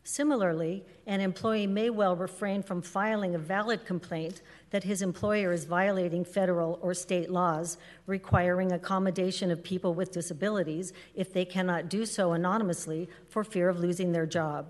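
A woman with a slightly low voice reads a formal written statement aloud. She delivers it as public comment, and her voice carries the long reverb of a hall. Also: fairly even intonation, normal speed, hardly any pauses. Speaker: public commenter reading a letter to a city council.

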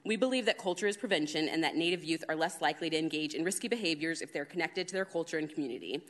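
A woman's voice: low voice, rapid-fire. A woman commissioner at a city meeting, reading prepared award remarks earnestly into a podium microphone. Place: city council chamber.

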